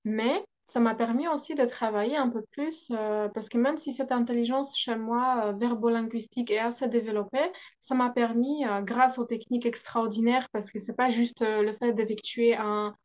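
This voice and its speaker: A woman's voice: on the high side, fairly even intonation, normal speed, darkish tone. A woman whose first language is not French, a business coach answering interview questions with frequent fillers and hesitations. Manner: hesitant, many fillers, laughs often.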